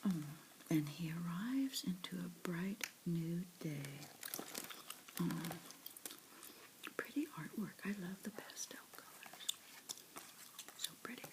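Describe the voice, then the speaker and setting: A woman softly whispering her way through a picture book, slowly and dotingly remarking on the pictures as she reads. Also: fairly low pitch, lively intonation, noisy background. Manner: slow, soft, doting commentary on the pictures.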